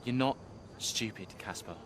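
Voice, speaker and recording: An actor playing an earnest young racing driver who answers briefly, in a video game cutscene. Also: male voice, on the low side, measured pace, background noise, lightly acted. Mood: concerned. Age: young adult. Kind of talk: cinematic game dialogue.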